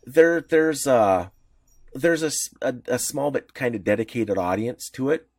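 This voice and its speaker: A man's voice: mid-range voice, animated, measured pace, darkish tone, dry recording. Rambling man on a dry close mic. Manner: rambling, enthusiastic, many restarts. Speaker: co-host explaining comics history. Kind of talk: casual podcast chat.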